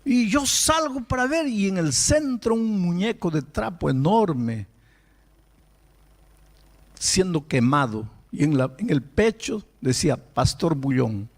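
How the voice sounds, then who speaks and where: A male pastor telling a story in a sermon, emphatic and animated, often breaking off and restarting his words. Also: fairly high pitch, takes it slowly.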